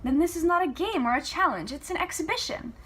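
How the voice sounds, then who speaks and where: A woman's voice: very high voice, expressive, quick pace, fairly bright tone, pitched above the performer's own voice. A woman voicing a defiant, sarcastic young woman magician in a storybook reading, emphatic and challenging. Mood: exasperated, challenging.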